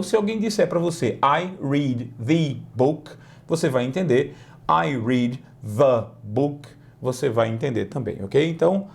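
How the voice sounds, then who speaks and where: A man teaching an English lesson, with slow, drawn-out model pronunciations between quick explanations. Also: fairly high pitch, vocal fry, darkish tone. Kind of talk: lively language lesson.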